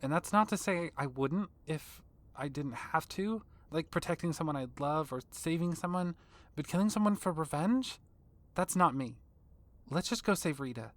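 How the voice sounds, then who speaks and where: A woman playing an earnest, reluctant, gentle-hearted vampire in an audio drama, with a hesitant, sincere way of talking. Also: sits low, lively intonation, normal speed. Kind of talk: audio drama comedy acting.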